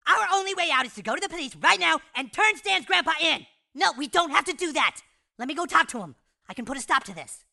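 A man's voice: very high-pitched, lively intonation, fast talker, vocal fry, bright, forceful tone, full character voice. A man voicing a panicky young schoolboy, frantic and exasperated.

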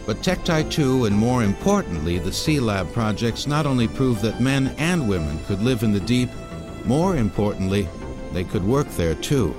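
Documentary narrator, American man, low register, scripted read over a clear music bed. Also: very animated, normal speed.

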